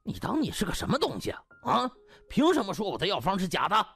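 A man's voice: sits high, huge pitch swings, fast talker, pushed and bright, slightly rough, pitched above the performer's own voice, exaggerated voice. A man voicing a pompous, hot-tempered rival doctor in an audiobook. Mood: indignant. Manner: pompous, blustering, obsequious to superiors. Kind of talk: audiobook character acting. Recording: music behind the voice.

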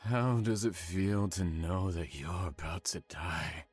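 A man's voice: sits low, slow pace, husky, soft background music, exaggerated voice. An actor playing a sadistic male serial killer who taunts his victims and flies into rages. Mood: cold taunting. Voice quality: menacing, taunting, explosive in rage. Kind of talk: audio drama acting.

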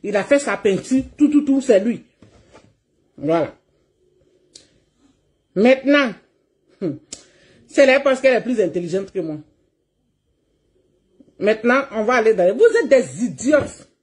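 A woman's voice: fairly high pitch, lively intonation, measured pace, long pauses, darkish tone. A woman streamer delivering a heated livestream rant, combative and mocking, laughing as she scolds. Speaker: online streamer.

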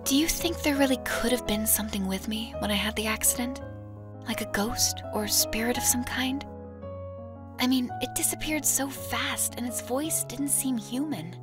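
A woman's voice: on the high side, moderate pace, music in the background, lightly acted. An actress playing a troubled, wistful young female student in an audio drama, earnest and hesitant. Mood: wondering. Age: young adult.

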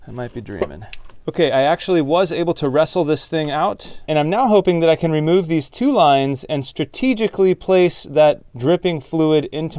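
A man's voice: mid-range voice, a little mellow. A man hosting a DIY car repair video, explaining each step in plain words as he works with his hands. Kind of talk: hands-on tutorial narration, talking while working.

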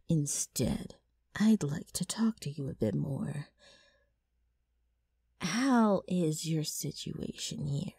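Low, raspy, brash ghoul girl. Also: dark tone, dry recording, studio quality, heavily acted. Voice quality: rough, raspy. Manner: rambling, flustered salesman-like patter with throat clearing. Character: gross, brash, scheming female ghoul ghost. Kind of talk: ASMR character roleplay addressed to listener.

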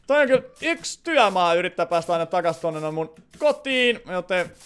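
A man's voice: sits high, lively intonation, a bit bright, clear, resonant tone. A man casually commentating his game stream, playful and chatty with lots of fillers.

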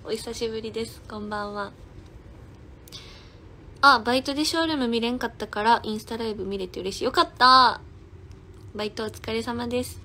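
A woman's voice: a little high, a little fast, pauses often, pushed and bright, slight background noise. A woman in her twenties with a Kansai accent, chatting casually on a phone livestream, giggling and answering viewers' comments one by one. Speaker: idol singer hosting a livestream.

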